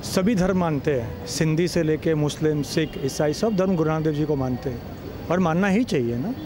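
A man's voice: fairly high pitch, moderate pace, over music. A middle-aged man in a street interview outside a temple, explaining in a plain way. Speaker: devotee interviewee. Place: outdoors by a temple entrance. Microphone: handheld interviewer mic. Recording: street traffic noise.

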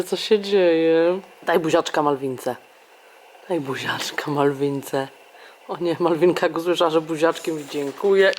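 A woman's voice: on the low side, a little hiss or hum. A woman vlogging at home with her baby daughter, exclaiming, laughing and talking both to the child and to the viewers. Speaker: vlogger mother. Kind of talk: casual home vlog. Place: home indoors.

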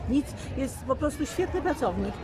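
A woman's voice: high voice, animated, moderate pace. A woman in her sixties, an actress giving a casual interview, emphatic and repeating key words. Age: 60s. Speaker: stage actress being interviewed. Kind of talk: casual spontaneous interview talk. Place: outdoors in a town street. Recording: outdoor urban recording with crowd and traffic.

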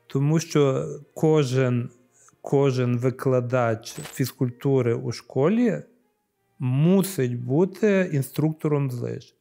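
This gravelly, medium-pitched voice belongs to a priest from Ukraine, a man in his forties, recorded with a lapel mic during an interview. His answers come thoughtfully, dotted with hesitant fillers, and turn lively whenever he acts out scenes. The setting moves from a library studio to an outdoor courtyard.

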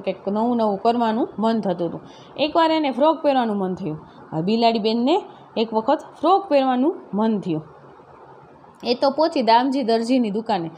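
A woman's voice: on the high side, dark tone, a little hiss or hum. A woman teacher with a Gujarati accent reading a story lesson aloud and explaining each line in simple words, often checking in with a tag question. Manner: reads a line, then retells it in plain words with tag questions. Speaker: school teacher. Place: classroom-style video lecture.

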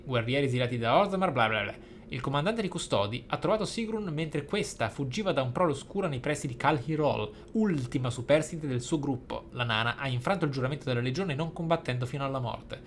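A man's voice: medium pitch, a bit bright, slight background noise. A man, a gaming host reading in-game text aloud expressively, with casual, playful asides.

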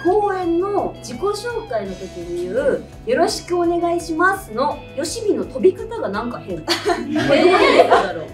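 A woman's voice: very high voice, big pitch swings, moderate pace. A woman reading out the segment's topics in casual variety chat, upbeat and keeping things moving. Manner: bright, upbeat, moves the segment along. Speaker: panel member reading out questions. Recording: echoey studio, distant mic, music bed.

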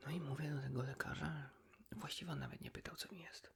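A man's voice: fairly high pitch, fairly even intonation, fast, creaky, a bit bright, husky. A man whispering a casual ASMR chat, confiding in the listener in an informal storytelling way. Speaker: ASMR video host.

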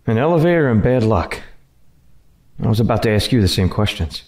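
A man's voice: lowish voice, sing-song, fairly quick, a little mellow, no room sound. An actor playing a working man trapped in deadly games, telling his story in tense, determined first-person narration. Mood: wary.

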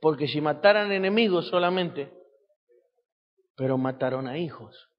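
A man's voice: a little high, normal speed, in a large hall, dull audio. A man preaching a sermon as pastor, asking his congregation rhetorical questions.

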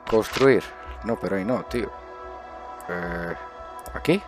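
A middle-aged man with a Spanish accent hosts a gaming video from his desk, seen on webcam indoors. His deep voice moves slowly over background music as he chats through casual, improvised gameplay, thinking aloud and muttering questions to himself.

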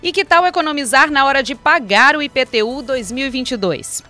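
A young woman presents the local radio news at a desk mic in a small foam-lined studio. Her voice is bright and a little high, and she reads from paper with friendly chatty asides. Faint music sits underneath. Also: a little fast. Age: young adult. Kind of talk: reading city news bulletin.

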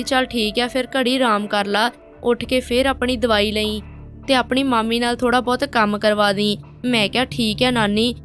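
A woman's voice: fairly high pitch, a bit bright. A woman narrating a painful first-person story in a plain, direct way.

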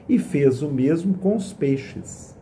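A middle-aged man from Brazil, a priest, reading scripture aloud and explaining it in a slow, reflective way, often asking "né?". He speaks into a phone camera held close in a small indoor room. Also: a little high, lively intonation, warm tone, slight background noise. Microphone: phone camera at close range.

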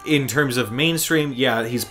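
A man's voice: mid-range voice, a little slow, fairly bright tone. A man giving casual, explanatory commentary on a game, rambling like a fan. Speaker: gaming commentary host. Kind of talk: casual chat commentary over game cutscenes. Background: game cutscene music.

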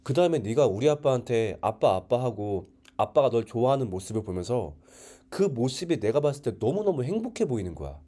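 A man's voice: medium pitch, big pitch swings, brisk, mellow. A man voicing a young older brother who speaks earnestly and coaxingly to his sibling. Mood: tender.

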